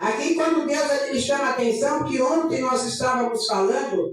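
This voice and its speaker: Her pitch is high and her intonation lively. The woman's voice carries an audible room echo. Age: 60s. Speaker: pastor. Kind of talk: sermon.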